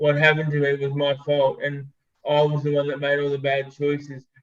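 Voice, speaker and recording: His intonation is monotone and flat. The man has a fairly high pitch and sounds somewhat breathy. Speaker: brain injury advocate and speaker. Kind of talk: casual interview chat. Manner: casual, filler-heavy (like, um).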